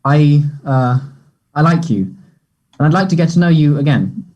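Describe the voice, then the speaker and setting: A man playing an awkward, earnest young gay man who is apologetic and unsure, speaking haltingly in a play table read. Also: on the high side, lively intonation, darkish tone, dull audio, natural voice. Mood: hopeful, shy. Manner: hesitant, halting.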